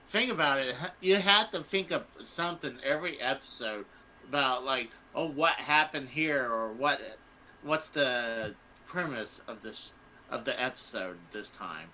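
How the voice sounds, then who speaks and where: A man giving opinions in a casual panel discussion, halting and repeating himself. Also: mid-range voice, animated, bright, forceful tone, slight background noise, rough recording.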